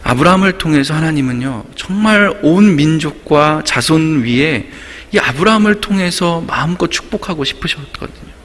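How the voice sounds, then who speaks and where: A man's voice: fairly high pitch, expressive, moderate pace, fairly bright tone. A man preaching an early-morning prayer sermon as pastor, telling stories and acting out quotes. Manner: storytelling, acts out quotes. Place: church sanctuary. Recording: long reverb of a church hall.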